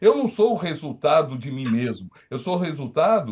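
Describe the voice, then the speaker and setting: The voice is somewhat breathy, moves at a fairly slow pace, and swings very widely in pitch. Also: man. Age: 70s. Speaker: economics professor. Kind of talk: lecture Q&A.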